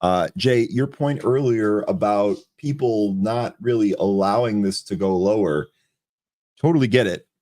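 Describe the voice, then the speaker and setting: Man, co-host, live market commentary, brisk chart calls, low voice, dry close sound. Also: dark tone, no echo. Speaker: trading show co-host.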